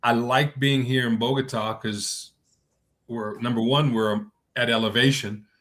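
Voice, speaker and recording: A man's voice: mid-range voice, steady tone, measured pace, fairly bright tone. A man with a Russian accent hosting a casual chat, speaking thoughtfully with many restarts. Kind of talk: casual video-call chat.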